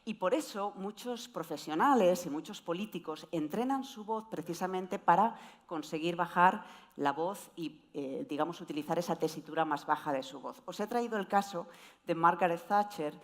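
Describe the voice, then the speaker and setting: A woman giving an explanatory presentation talk on voice, with wide, lively swings in pitch. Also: moderate pace. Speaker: voice coach speaker.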